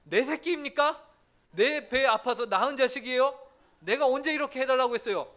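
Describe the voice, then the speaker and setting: A man's voice: very high-pitched, lively intonation, normal speed, sharp tone, heavily acted. A man voicing a weary, exasperated Moses who protests and whines at God during a sermon. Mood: whining. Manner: whiny, protesting.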